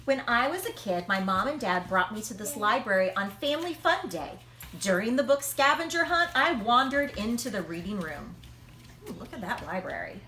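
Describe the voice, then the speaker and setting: A woman reading a children's picture book aloud, expressively, with dramatic pauses and emphasis. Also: fairly high pitch, animated, sharp tone, roomy sound, a little hiss or hum. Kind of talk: animated children's read-aloud.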